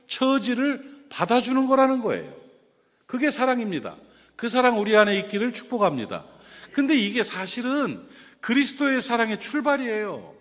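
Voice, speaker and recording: Lively high-voiced Korean pastor preaching. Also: male voice. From South Korea. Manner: animated, questioning the congregation. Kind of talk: sermon. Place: church sanctuary. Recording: reverberant church hall.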